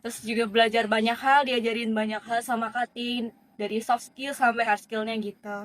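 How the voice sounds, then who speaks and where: A woman's voice: fairly high pitch, fairly even intonation, moderate pace. A young woman from Central Java, a first-year student guest who talks at length in an earnest, chatty way. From Central Java, Indonesia. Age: young adult. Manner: talkative and earnest, often saying "honestly". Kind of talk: casual chat.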